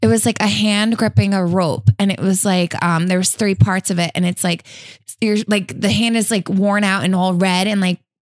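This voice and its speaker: In a plain, everyday voice, a woman speaks at a moderate pace and medium pitch with ordinary pitch variation, the sound dry and close with no echo. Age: 20s. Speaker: podcast co-host. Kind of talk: casual chat.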